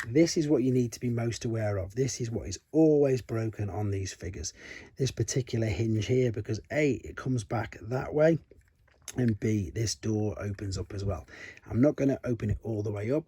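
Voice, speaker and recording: A man's voice: medium pitch, dark tone, husky. A man giving an unscripted, chatty hands-on toy review, thinking aloud as he handles things. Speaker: toy collector and reviewer, channel host.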